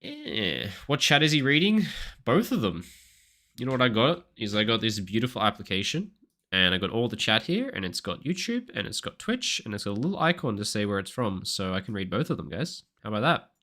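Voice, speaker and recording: A man's voice: lowish voice, very animated, brisk, pushed and bright. A young man with an Australian accent chatting casually with his stream chat while explaining his game picks as a coach. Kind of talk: live game-stream commentary.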